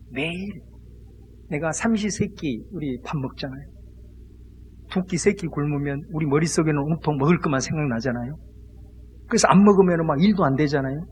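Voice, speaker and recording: A male pastor preaching a sermon, emphatic, leading the congregation in repeating lines after him, swinging between loud exclamations and hushed asides. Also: on the high side, big-room sound, a little hiss or hum. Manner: emphatic preaching, leads the congregation in call-and-response repetition.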